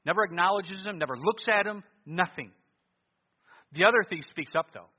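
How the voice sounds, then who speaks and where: A man preaching a sermon with passion, swinging between loud declarations and hushed, intense tones, his voice a little husky. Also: high voice, animated, normal speed. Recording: dull lo-fi sound with long hall reverb.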